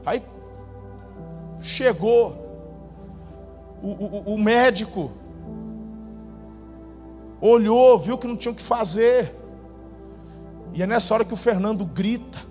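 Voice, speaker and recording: A male pastor preaching a sermon, telling a testimony dramatically, his voice swinging between loud bursts and hushed moments. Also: sits high, slow pace, long pauses. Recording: reverberant hall with faint music.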